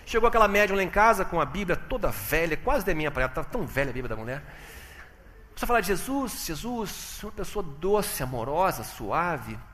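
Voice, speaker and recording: A man giving a testimony sermon, telling his story with animated swings from loud exclamations to hushed tones. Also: a little high, brisk, long reverb tail.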